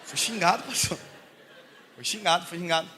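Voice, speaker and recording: Against a noisy background, a man from Brazil with a high voice and moderate pace delivers a sermon as a humorous personal anecdote. Animated and laughing often, he alternates loud shouting with quiet asides.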